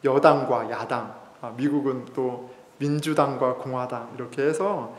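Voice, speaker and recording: A man's voice: mid-range voice, steady tone, a little slow. A male pastor giving a sermon in a church, telling stories in a conversational way with fillers and chuckles. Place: church sanctuary. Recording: echoey hall reverb.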